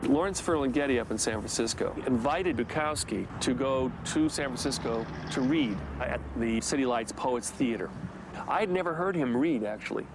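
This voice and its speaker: A filmmaker recounting a shoot in a relaxed, anecdotal way. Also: male voice, mid-range voice, moderate pace, noisy background. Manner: conversational, anecdotal. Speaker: documentary filmmaker. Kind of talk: interview recollection.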